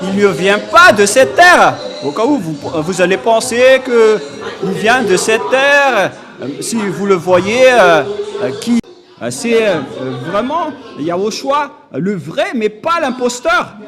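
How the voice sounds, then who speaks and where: High-voiced man preaching loudly over music. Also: very animated, slow. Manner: emphatic, often shouting. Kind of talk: sermon. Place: church service. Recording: live church recording with music and crowd.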